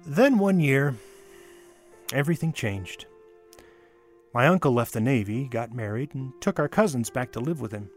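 A man giving a theatrical, expressive dramatic reading of a childhood holiday memoir, with wonder and deliberate pauses. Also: mid-range voice. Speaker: storyteller. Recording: music under the voice. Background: music.

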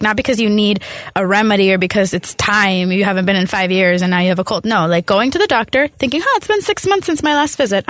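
A woman's voice: fairly high pitch, a bit bright, no room sound. A woman in her twenties co-hosting a podcast, chatting casually in a self-mocking way and laughing often. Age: 20s. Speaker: podcast co-host. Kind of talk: casual chat.

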